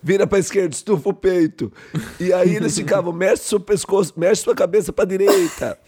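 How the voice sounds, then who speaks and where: A Brazilian man co-hosting a podcast in casual chat, hoarse today, acting out other people as he tells stories. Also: high voice, fairly quick, noisy background. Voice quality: hoarse, gravelly. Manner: animated storytelling, acts out others. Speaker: podcast co-host.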